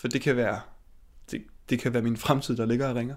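A man at a very fast pace in a very clean recording with a silent background. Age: 30s. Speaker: drummer. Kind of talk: casual interview.

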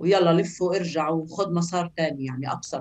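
A woman speaks with a Palestinian accent. Her pitch is fairly low. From Palestine (48 Palestinian town near Lydda). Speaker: wife of a Palestinian prisoner. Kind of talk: interview.

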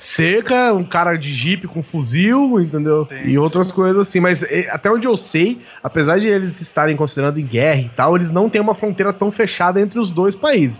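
Through noticeable background noise, a man talks at a high pitch with lively intonation. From Brazil, São Paulo interior. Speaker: podcast host. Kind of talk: casual chat.

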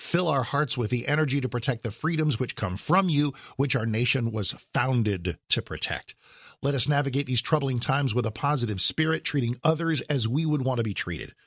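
Speaking fairly quickly, a man uses an ordinary speaking voice at medium pitch, dry and close with no echo, on a very clean recording with a silent background. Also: ordinary pitch variation. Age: 60s. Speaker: radio talk show host. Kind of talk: talk radio monologue. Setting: studio.

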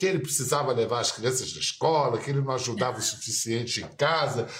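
This man's voice is somewhat breathy, with ordinary pitch variation and a fairly quick pace. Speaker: TV interviewer. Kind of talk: interview. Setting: video call.

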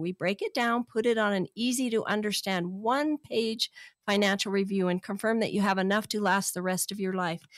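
A plain, everyday voice from a woman comes at a fairly quick pace in a very clean recording, silent in the background, with a dry, close sound with no echo. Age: 50s. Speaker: financial advisor. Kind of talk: radio talk show. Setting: radio studio.

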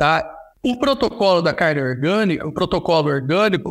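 On a very clean recording with a silent background, a man talks at a moderate pace. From Brazil, Corumbá, Mato Grosso do Sul. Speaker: livestock farmer and association president. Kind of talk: podcast interview.

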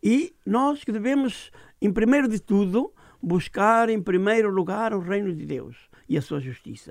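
A high-pitched man's voice with very wide pitch swings at a moderate pace. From Portugal, Aveiro; emigrated to southern Brazil at 15. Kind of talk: radio interview.

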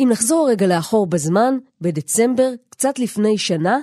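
A woman speaks at a fairly slow pace in a dark, mellow tone, her pitch swinging very widely. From Israel, Haifa Bay area (Krayot). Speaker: environmental journalist and podcast host. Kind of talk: narrated documentary reporting.

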